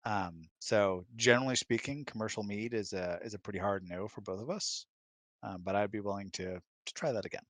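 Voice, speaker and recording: A man's voice: on the low side, brisk, fairly bright tone, no echo. A man chatting casually as a co-host, with dry, mock-serious humor. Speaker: co-host, guest husband. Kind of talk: casual chat.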